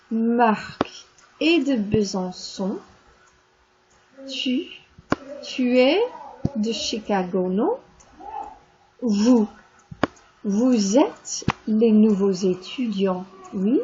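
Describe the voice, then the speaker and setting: A woman's voice: on the high side, darkish tone, lo-fi sound. A woman teaching an online French lesson, patiently explaining textbook exercises and repeating examples. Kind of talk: recorded lecture walking through textbook exercises.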